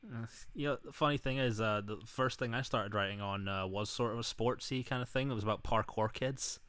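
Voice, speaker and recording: Man from Scotland, podcast host, smooth, dry close sound, casual and sweary. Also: mid-range voice, a little fast, a bit bright, no echo. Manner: loose, sweary, self-mocking. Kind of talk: casual interview chat.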